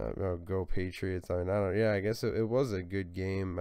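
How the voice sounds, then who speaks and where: With an American accent, a man speaks in a very deep, low pitch and a dark, mellow tone against a quiet background. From New England, around Boston. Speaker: crypto YouTuber. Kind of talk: live stream chat. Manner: hesitant, many fillers; casual conversational.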